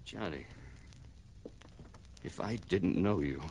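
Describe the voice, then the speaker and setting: An actor playing a worried friend in a 1960s radio drama, cautioning the hero in an urgent way. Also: male voice, sits low, slow, vocal fry, a little mellow, full character voice. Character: worried male friend, a cop with a gun.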